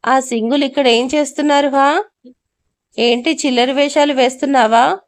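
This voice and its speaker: Menacing village thug, voiced by a woman, rough, shouted threats, slightly high. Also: steady tone, moderate pace. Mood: threatening.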